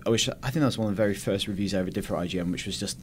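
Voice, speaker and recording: A man's voice: on the low side, rapid-fire, slight background noise. A man, talking casually as a guest on a group podcast. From United Kingdom.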